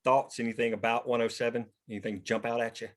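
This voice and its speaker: A man's voice: medium pitch, flat delivery, fast. A man hosting a script table read, reading stage directions and chatting casually. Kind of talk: script narration and casual discussion.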